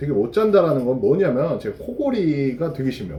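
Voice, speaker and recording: A man speaks at a moderate pace, his pitch swinging very widely. Noticeable background noise runs beneath him. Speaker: vlogger. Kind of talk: casual monologue vlog.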